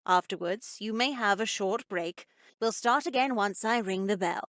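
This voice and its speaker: A woman playing a strict, pious Catholic nun teacher in a video game, speaking in a measured, formal way. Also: mid-range voice, a bit bright, no room sound, clean studio sound, close to an everyday voice. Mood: stern, measured.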